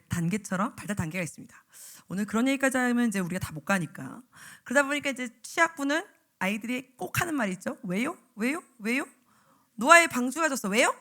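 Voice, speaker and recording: A woman evangelist giving a lively sermon to church teachers, often acting out the voices of teachers and children. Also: mid-range voice. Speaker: evangelist preacher. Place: church sanctuary.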